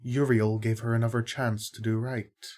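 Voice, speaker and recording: A man playing a kindly, fair-minded archangel in an audio drama, explaining things in a measured, wry way. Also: medium pitch, little pitch movement, darkish tone, natural voice. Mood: thoughtful.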